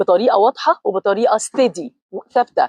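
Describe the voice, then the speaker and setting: A woman speaks in an Egyptian accent at a fairly quick pace. Her pitch swings very widely, and the sound is dry and close with no echo. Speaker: voice and dubbing coach. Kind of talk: instructional talk to camera.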